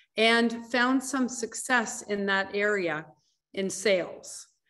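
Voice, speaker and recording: Against a quiet background, a woman speaks with a Canadian accent. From Canada. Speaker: fiber and mixed media artist. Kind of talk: webinar slide presentation. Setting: video call. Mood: relaxed, wry storytelling. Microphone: video call.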